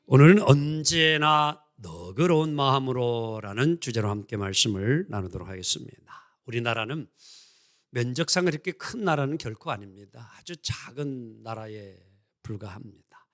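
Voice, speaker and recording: Male pastor, Sunday sermon, animated intonation, playful dialect mimicry. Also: medium pitch, moderate pace. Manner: lively, playful delivery with mimicked regional dialects. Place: church sanctuary.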